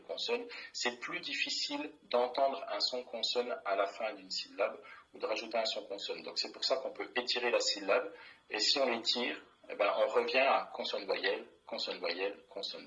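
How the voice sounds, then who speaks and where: A man's voice: on the low side, a bit bright, poor audio. A middle-aged man, a primary school teacher, explaining a classroom method in a plain, methodical way with many fillers and restarts.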